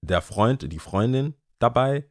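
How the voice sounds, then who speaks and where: A man co-hosting a casual podcast chat, animated, dropping English words into his German and pausing to search for words. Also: mid-range voice, dry recording, clean studio sound. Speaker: podcast co-host.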